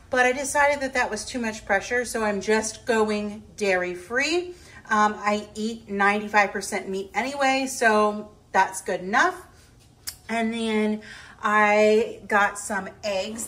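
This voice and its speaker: A woman's voice: medium pitch, a bit bright. A woman in her forties, chatting casually through a grocery haul vlog at home, with many ums as she handles items. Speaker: vlogger. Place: home kitchen, indoors. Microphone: camera on counter, phone-style recording.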